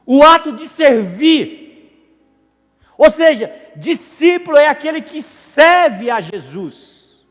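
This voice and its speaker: A man preaching a sermon as pastor, animated and jokey, asking the congregation questions. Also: extremely high pitch, slow pace. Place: church hall. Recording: echoey church hall with music.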